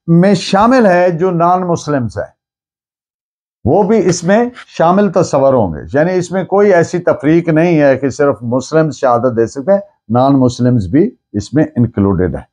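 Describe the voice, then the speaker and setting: A man with a Pakistani accent giving a formal law lecture, mixing in English terms, deliberate and emphatic, repeating phrases in translation. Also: on the high side, darkish tone.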